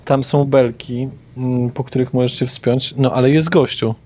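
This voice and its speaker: A man running a tabletop vampire game as game master, narrating in a relaxed way with frequent hesitations. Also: medium pitch, normal speed, a little hiss or hum.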